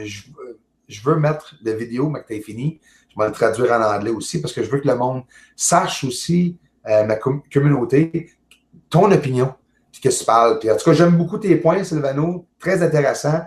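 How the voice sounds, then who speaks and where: A man with a Québécois French accent, a guest chatting casually over a video call, jovial and halting with many fillers and restarts. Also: mid-range voice, expressive. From Quebec, Canada. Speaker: guest, amateur astronomer. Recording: roomy echo.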